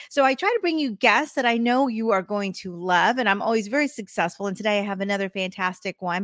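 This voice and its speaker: A woman's voice: fairly high pitch, fairly bright tone, dry recording, clean studio sound. A woman hosting a podcast, with an enthusiastic, promotional way of introducing the show and her guest. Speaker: podcast host. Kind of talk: upbeat podcast interview.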